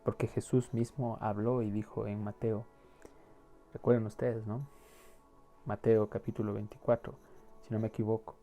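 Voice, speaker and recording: A low, very dark and mellow male voice delivers an earnest, pleading sermon, often stumbling and repeating words as he searches for them. Soft music plays faintly behind him. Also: little pitch movement, moderate pace, pauses often. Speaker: preacher. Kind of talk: sermon and closing prayer.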